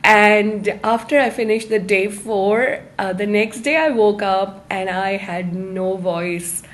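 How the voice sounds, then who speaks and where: A woman hosting a live online self-help talk, speaking to her viewers in a halting, deliberate way with stressed phrases. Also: medium pitch. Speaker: host of a live-streamed self-help series.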